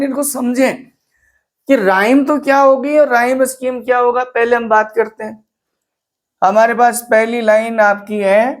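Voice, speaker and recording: A male English literature teacher lectures in a very slow, deliberate way. He drags out each phrase and repeats key terms for emphasis. He moves back and forth between Hindi and English as he explains poetic meter. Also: high-pitched.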